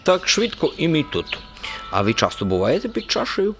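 An actor playing a good-natured, simple-minded soldier who rambles naively and confidently in a radio play. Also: male voice, on the high side, wildly swooping pitch, normal speed. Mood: innocent. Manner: rambling, naive tavern philosophizing with confident pronouncements. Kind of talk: radio play character acting. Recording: music under the voice.

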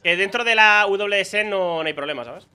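A man's voice: high voice, normal speed, sharp tone, clear, resonant tone, soft background music. A young man with a Spain Spanish accent giving casual live commentary on his own gameplay, muttering to himself and exclaiming when surprised. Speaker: gaming streamer.

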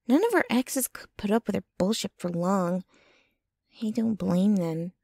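In an intimate, dramatic ASMR roleplay, a woman plays a jealous, possessive, doting young girlfriend, sounding indignant as she swings between ranting and breathy murmuring. Her medium-pitched, darkish voice is animated but unhurried, with no room sound.

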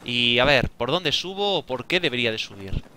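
A young man giving casual, excitable gameplay commentary, talking to himself and exclaiming often. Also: mid-range voice, normal speed, a little hiss or hum. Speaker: gaming video creator.

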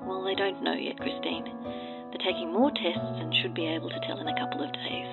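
An actress playing a frail, kindly older guardian in an audio drama, speaking gently through a telephone filter. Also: female voice, fairly low pitch, fairly even intonation, a little fast, over loud music. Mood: hesitant, worried. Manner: gentle, motherly, reassuring. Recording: thin band-limited phone line.

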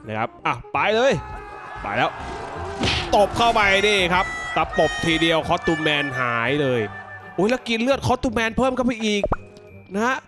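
A man hosting a gaming video, giving excited gameplay commentary full of exclamations as he reacts aloud to the action. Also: sits high, moderate pace, over music.

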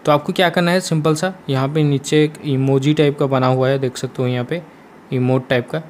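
A man's voice: mid-range voice, fairly even intonation, fairly quick, darkish tone. A man with an Indian accent explaining steps in a casual gaming screen tutorial, repeating his instructions as he goes. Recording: faint background noise.

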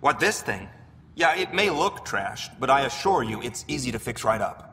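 A shifty alien scavenger trader with a bright, forceful edge to his voice. He is slick and wheedling, a hesitant salesman. The game dialogue rings in a long hollow reverb with faint noise. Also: mid-range voice, very animated, normal speed. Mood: grumbling, salesy. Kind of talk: video game dialogue acting.

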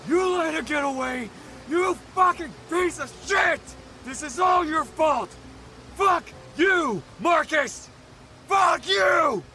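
A man's voice: very high voice, expressive, takes it slowly, shouting, music in the background, full character voice. An actor playing a sadistic male serial killer who taunts his victims and flies into rages. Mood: raging. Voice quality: menacing, taunting, explosive in rage. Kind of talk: audio drama acting.

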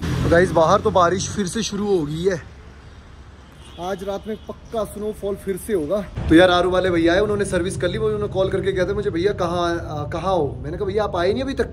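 A young man vlogging from his gym, talking casually to camera held at arm's length, pleading with viewers and loudly greeting members. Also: sits high, brisk, crowd noise. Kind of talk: casual vlog chat to camera. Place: indoor gym. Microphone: handheld camera at arm's length. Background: music.

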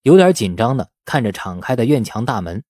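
A man's voice: medium pitch, sing-song, fairly quick, warm tone, no echo, studio quality. A man narrating a novel as a scripted audiobook in a storytelling style.

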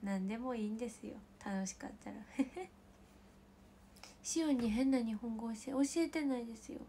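Giggly high-voiced woman with Kansai accent. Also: moderate pace, slight background noise. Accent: Kansai Japanese. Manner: giggly, drops into soft whispered asides. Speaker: idol livestream host. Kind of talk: casual livestream chat with viewers.

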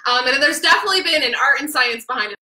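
A woman in her thirties hosting a live podcast from a small home office, talking in a hyper, excitable, naturally loud way. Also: sits high, fast talker, roomy sound. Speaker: podcast host. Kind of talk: energetic live video podcast. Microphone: studio mic with headphones.

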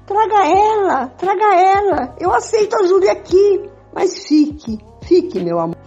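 An older woman playing a pleading, jealous, melodramatic wife in an amateur radio soap opera, with a husky voice. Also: very high-pitched, very animated, unhurried, darkish tone, full character voice. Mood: insistent. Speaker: amateur participant in a radio play. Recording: dull lo-fi audio with music.

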